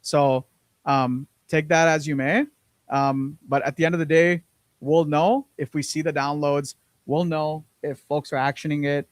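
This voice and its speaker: A man's voice: fairly high pitch, fairly even intonation, measured pace, no echo. A man co-hosting a business podcast in casual chat, rambling with lots of fillers and repeated words, on a close mic. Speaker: podcast co-host.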